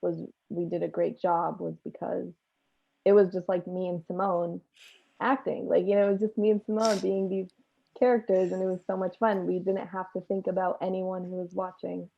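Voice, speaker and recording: A woman's voice: fairly low pitch, little pitch movement, normal speed, gravelly, phone-quality sound. A woman chatting casually as an interviewed performer, heard through thin call audio. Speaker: stage performer being interviewed. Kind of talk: casual chat.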